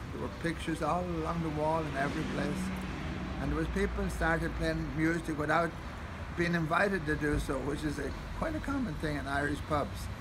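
A man speaks fairly quickly while loud noise fills the background. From Dublin, Ireland. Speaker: storyteller met by chance. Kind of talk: casual interview answer. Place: cafe. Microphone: phone near.

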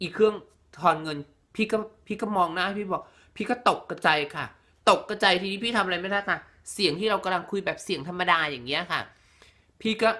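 A woman speaks at medium pitch with a bright, sharp tone. She sounds animated, with ordinary pitch variation. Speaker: vlogger and restaurant server. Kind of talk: casual storytelling vlog.

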